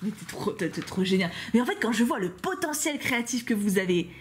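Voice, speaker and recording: Opening fan mail for her viewers, a young woman from France speaks fairly quickly in a slightly high voice. She gushes excitedly, stumbles over repeated words, and slips in playful teases throughout this casual unboxing vlog.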